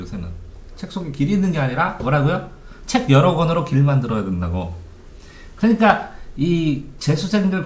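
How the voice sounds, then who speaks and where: A man giving an informal lecture on study methods as a coach, asking his listeners rhetorical questions. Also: fairly high pitch. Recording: echoey room.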